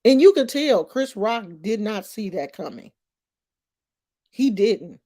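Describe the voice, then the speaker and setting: Woman, 50s, slow unhurried delivery, emphatic, streetwise, casual vlog commentary. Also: mid-range voice, sing-song, mellow. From Oakland, California. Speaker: vlogger.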